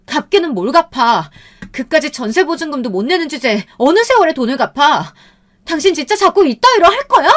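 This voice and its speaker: A woman voicing an outraged, sharp-tongued young wife in a story, indignant and confrontational. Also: mid-range voice, animated, measured pace, hardly any pauses, slightly rough. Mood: furious.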